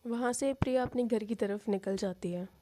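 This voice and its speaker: A woman's voice: a little high, moderate pace, warm tone. A woman narrating a love story in a casual, chatty way.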